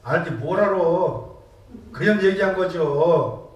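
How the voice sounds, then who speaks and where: A flustered husband stammers and pleads, caught out and fumbling for words, as a preacher puts him on. The high voice rings through a big echoey hall from a distant mic. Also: male voice, lively intonation, takes it slowly.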